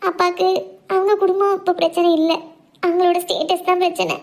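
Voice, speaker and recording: Woman as a despairing young woman in love, tearful, very high and thin voice. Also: flat delivery, a little fast. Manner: tearful, pleading.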